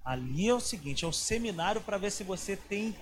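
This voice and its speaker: A high-pitched pastor from Rio preaching in a loose, slangy way, jumping between loud storytelling and quiet asides. His voice sits well above most men's. A faint hum of room noise sits behind him. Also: animated, a little fast. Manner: colloquial, slangy, storytelling with dramatic swings. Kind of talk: informal sermon.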